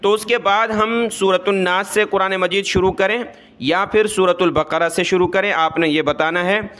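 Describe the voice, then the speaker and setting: Man, Quran recitation teacher, South Asian Urdu accent, bright high voice, drawn-out letter-by-letter reading. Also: fairly even intonation. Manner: slow drawn-out recitation, quick explanations between.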